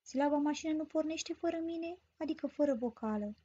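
A woman teaching a grammar lesson as a story, explaining clearly and patiently. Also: sits high, dark tone. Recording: dull lo-fi recording.

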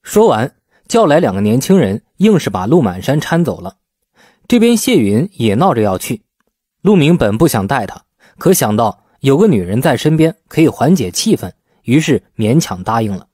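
A man's voice: mid-range voice, very animated, moderate pace, dark tone, slightly rough, no echo, studio quality. A man narrating a novel as a scripted audiobook in a storytelling style.

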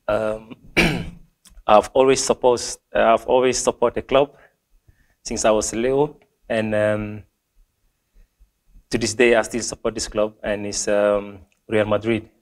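Young male footballer, from Gambia, seated Q&A, monotone, halting and full of fillers. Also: fairly low pitch. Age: young adult. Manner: hesitant, many ums and restarts. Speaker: football player. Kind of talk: reading fan questions and answering. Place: small plain indoor room.

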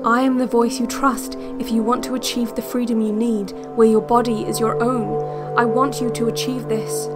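An actress plays a calm, controlling female guide on a relaxation cassette in an audio drama. Her voice is fairly high, with measured, deadpan instructions and veiled intent. Music plays clearly behind her. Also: lightly acted. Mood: earnest, commanding. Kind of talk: guided relaxation audio, scripted fiction podcast.

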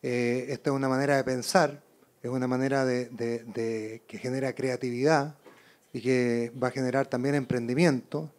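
Middle-aged man, halting audience questioner. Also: medium pitch, flat delivery, a little mellow. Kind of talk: spontaneous question and comment at a public talk. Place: auditorium. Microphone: handheld microphone.

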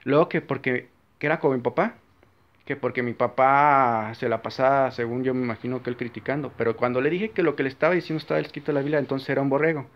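A man with a Mexican accent giving a blunt, forceful, rambling monologue about his faith, with frequent restarts. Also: medium pitch, steady tone, fast. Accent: Mexican Spanish. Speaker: Catholic video maker. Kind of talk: informal religious monologue. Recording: slightly dull, lo-fi recording.

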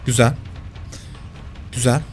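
A man's voice: medium pitch, fairly even intonation, slow, darkish tone, soft background music. Man teasing as he plays. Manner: talks to the players he hunts, teasing. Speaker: gameplay commentator. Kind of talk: live game commentary.

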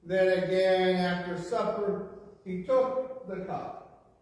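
A man leading a liturgical prayer and communion rite in slow, measured intoning, heard in a large church with a long cathedral echo. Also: high voice, little pitch movement, darkish tone, recorded from a distance. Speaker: presiding minister.

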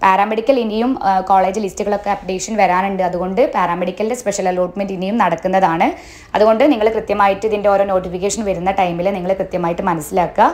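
A woman giving an informational update in a voice-over, brisk and instructive, with frequent filler sounds. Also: mid-range voice, a little mellow. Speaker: education vlogger. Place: voice-over, not seen.

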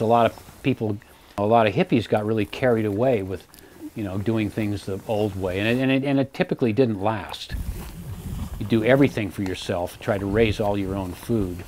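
A man's voice: on the low side, normal speed, a little hiss or hum. Rambling man in his eighties. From United States. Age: 80s. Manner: relaxed, rambling, repeats words while thinking. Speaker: homesteader giving a tour. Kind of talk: casual tour talk. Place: outdoor garden and home pantry.

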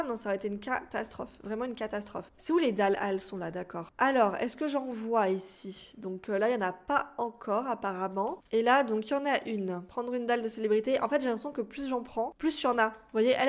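A woman's voice: on the high side, brisk, few pauses. Chatty young woman narrating her game. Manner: chatty, reads game text aloud and reacts. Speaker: gaming YouTuber. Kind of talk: casual let's-play commentary.

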